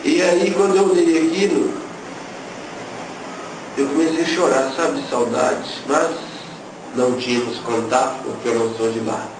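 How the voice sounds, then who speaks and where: A man speaking at a moderate pace, medium in pitch, delivers an emotional religious testimony. He narrates what happened and plays out the dialogue. Echo, distance and room noise mark the recording.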